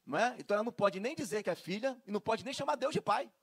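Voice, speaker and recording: A man's voice: high voice, expressive, racing, gravelly, husky, no echo. A Brazilian man teaching in a sermon, explaining step by step and checking in with tag questions. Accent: Brazilian Portuguese. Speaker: preacher.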